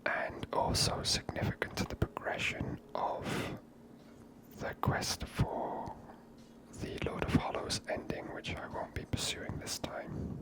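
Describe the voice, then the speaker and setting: A person giving ASMR game commentary in a soft, unvoiced whisper, gently musing aloud. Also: unhurried, rough recording. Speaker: video game player and narrator.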